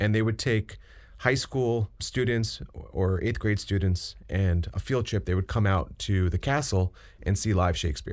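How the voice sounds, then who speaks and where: Against a silent background in a very clean recording, a man with an ordinary speaking voice talks at a fairly slow pace and fairly low pitch, with ordinary pitch variation and very even loudness. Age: 30s. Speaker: actor and film producer. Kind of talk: casual interview chat.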